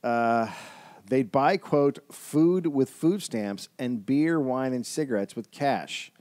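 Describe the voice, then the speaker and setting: A man's voice: medium pitch, takes it slowly, darkish tone, no room sound. A man co-hosting a comedy podcast, reading quotes aloud and answering them with exasperated, profane comments. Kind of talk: casual comedic banter.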